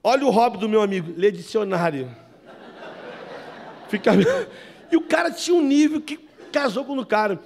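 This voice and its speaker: A man preaches a sermon testimony. He tells the story in an animated way and keeps turning to his listeners as brothers. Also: sits high, fairly quick, vocal fry, pauses often, a little hiss or hum. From Brazil, Rio de Janeiro. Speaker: evangelist giving testimony. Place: indoor meeting room.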